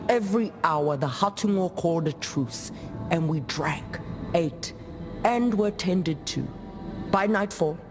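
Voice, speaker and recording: An actress playing a proud, solemn dead female warrior chieftain in a video game, telling tribal lore in a measured, formal way. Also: sits low. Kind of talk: video game character monologue, storytelling.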